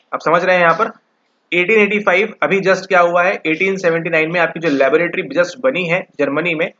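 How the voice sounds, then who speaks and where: A man giving an online exam-prep lecture, often asking questions and answering them himself, and ending points with a quick check-in. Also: on the high side, sharp tone. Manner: rhetorical questions answered himself, repeats "ठीक है". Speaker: psychology exam tutor. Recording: dull lo-fi audio.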